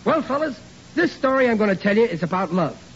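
A man's voice: high voice, big pitch swings, brisk, full character voice. An actor playing Riley, a bumbling working-class young groom who stammers and mangles his grammar, in 1940s radio comedy style. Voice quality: rough, ungrammatical, stammering. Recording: dull old radio recording, faint hiss.

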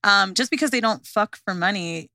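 A woman's voice: mid-range voice, normal speed, vocal fry, bright, forceful tone, no echo, clean studio sound. A woman guesting on a podcast, blunt and slangy, swearing a lot in casual chat.

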